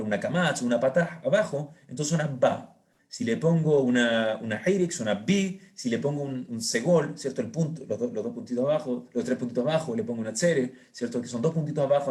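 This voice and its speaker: Chilean man teaching a lively lesson. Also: mid-range voice. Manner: lively, asks the audience rhetorical questions. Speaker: rabbi teaching a class. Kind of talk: explanatory Torah lesson.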